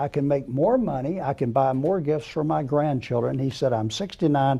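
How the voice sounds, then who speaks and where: With an American accent, a man talks at a moderate pace and a fairly high pitch in an ordinary speaking voice. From Florida, Fort Lauderdale. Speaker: advocacy group leader. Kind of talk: TV call-in interview.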